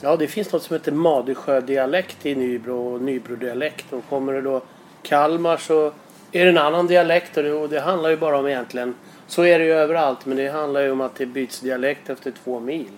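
Man, Stockholm accent, lively panelist, faint noise. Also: medium pitch. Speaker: podcast panelist. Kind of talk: casual podcast chat.

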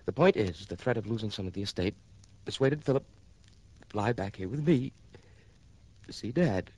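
A man's voice: lowish voice, animated, normal speed, warm tone. An actor playing a nervous, stammering man in his thirties in a 1960s radio drama. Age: 30s. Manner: stammering, jittery, repeating words. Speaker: client's brother.

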